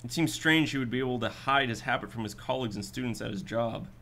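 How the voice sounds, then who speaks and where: Fast-talking skeptical detective played by a man. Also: medium pitch, a bit bright, lightly acted. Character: hard-boiled male detective, probing, skeptical, businesslike. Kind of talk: radio drama acting.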